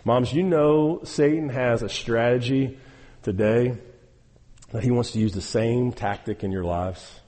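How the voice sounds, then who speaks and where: A man's voice: mid-range voice, unhurried, warm tone, in a large hall. A man preaching a sermon, emphatic and exhorting, repeating phrases and speaking straight to his listeners. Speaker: pastor.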